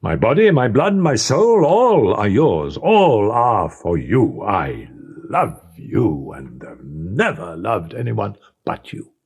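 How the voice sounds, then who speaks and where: A man's voice: big pitch swings, takes it slowly, a little mellow, husky, heavily acted. Man playing a glib, ardent young captain. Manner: ardent, glib, raised pitch for declarations. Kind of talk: audiobook character voice.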